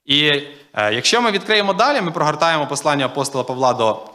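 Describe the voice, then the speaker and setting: A man's voice: fairly high pitch, sing-song, fast, sharp tone. A man preaching a sermon in a conversational way, reading scripture passages aloud and often checking in with his listeners. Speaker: pastor.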